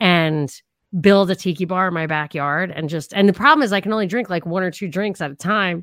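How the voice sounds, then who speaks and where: Recorded very clean with a silent background and a dry, close sound with no echo, a woman with an unremarkable speaking voice talks at a fairly quick pace at medium pitch with ordinary pitch variation. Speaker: political news commentator. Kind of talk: casual chat.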